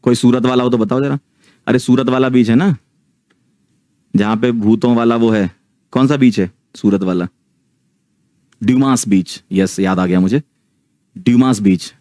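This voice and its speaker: A man's voice: medium pitch, steady tone, unhurried, long pauses, mellow, no room sound. A man in his thirties telling a ghost story casually to a live online audience, often checking in with his listeners. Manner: chatty, keeps checking in with the listeners.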